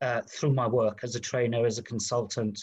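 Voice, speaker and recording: A man speaks with a Welsh accent at a moderate pace. His tone is dark and mellow, somewhat breathy, over a quiet background. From Wales. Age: 50s. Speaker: leadership consultant and trainer. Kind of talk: casual chat. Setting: video call. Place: home room. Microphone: video call.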